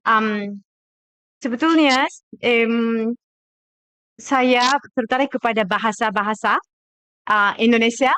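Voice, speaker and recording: A middle-aged woman with a Japanese accent, a native Japanese speaker using Indonesian as a foreigner, hesitant and halting, as an academic guest. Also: a little high, fairly even intonation, a bit bright, clean tone, dry recording. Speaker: guest, university linguist.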